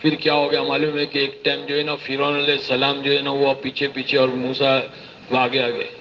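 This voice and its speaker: A man's voice: mid-range voice, monotone, normal speed, muffled recording, a little hiss or hum, pitched below the performer's own voice, natural voice. A man voicing a brash young street tough who tells a religious story clumsily in street slang. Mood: clumsy. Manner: street slang, bumbling delivery.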